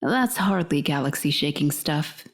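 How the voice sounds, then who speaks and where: A middle-aged wife and mother in a space radio drama. Her voice is slightly low, and she teases her family with playful, wry affection. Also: lively intonation, measured pace. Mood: teasing. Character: teasing, affectionate wife and mother, planetary president. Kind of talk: audio drama dialogue.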